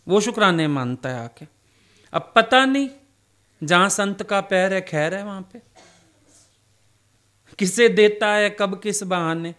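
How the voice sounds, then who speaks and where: High-voiced man telling devotional stories. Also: measured pace, long pauses, fairly bright tone. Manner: conversational storytelling, acting out quoted dialogue. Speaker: satsang speaker. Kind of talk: devotional talk told as personal stories.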